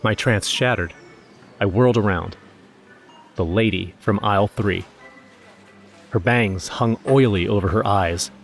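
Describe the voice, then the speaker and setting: A low-pitched male everyman tells a first-person horror tale. His delivery is wry and measured with an uneasy edge, over a faint music bed. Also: creaky. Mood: tense, disgusted. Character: wry, nervous everyman narrator recounting a snowstorm errand.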